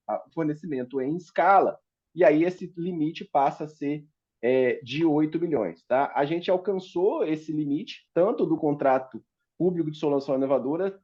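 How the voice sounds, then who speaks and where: A man's voice: fairly high pitch, darkish tone, highs cut off. A man giving a panel presentation as a startup founder, talking hesitantly with many fillers and restarts. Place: meeting room at a public forum.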